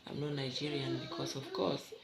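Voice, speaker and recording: Kenyan woman vlogger, gravelly, casual and rambling, recorded in an echoey room. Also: very deep voice, little pitch movement, normal speed. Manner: chatty, rambling asides to viewers. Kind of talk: casual vlog chat. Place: bedroom at home. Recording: echoey room, faint background hum.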